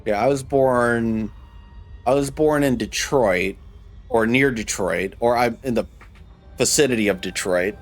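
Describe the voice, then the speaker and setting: A man's voice: mid-range voice, a little slow, soft background music. A man in his thirties, a streamer from Michigan, chatting casually with viewers while gaming, rambling and restarting his sentences. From Michigan, United States. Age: 30s. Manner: rambling, restarts often, reads and answers chat.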